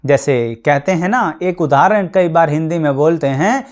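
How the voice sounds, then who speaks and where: This man speaks as an astrologer, explaining things to his viewers plainly and practically with everyday examples. His voice is slightly high and expressive at a normal pace, and he mixes English words into his Hindi.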